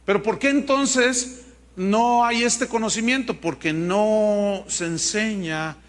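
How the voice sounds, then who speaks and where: A man's voice: sits high, slow pace. A man preaching a sermon as pastor, telling stories and acting out the quoted dialogue. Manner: animated storytelling, acts out dialogue in quoted voices.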